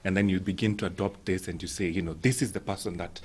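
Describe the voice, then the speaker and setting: A man on a talk show, explaining his views in a measured way with many "you know" fillers. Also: deep voice, fairly even intonation, darkish tone, slight background noise. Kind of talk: reflective discussion on a talk show.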